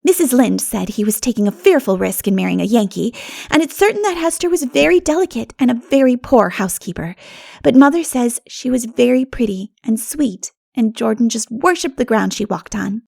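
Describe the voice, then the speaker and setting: A woman voicing a lively, gossipy country girl who tells local tales in an audiobook. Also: a little high, fairly quick, gravelly. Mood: storytelling. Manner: animated, gossipy.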